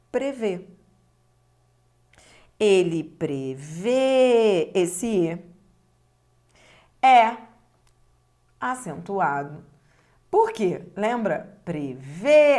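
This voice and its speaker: Woman, unhurried delivery, patient grammar teacher, frequent check-in questions. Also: mid-range voice. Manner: explanatory, checks understanding with tag questions. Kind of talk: video lesson on grammar exercises.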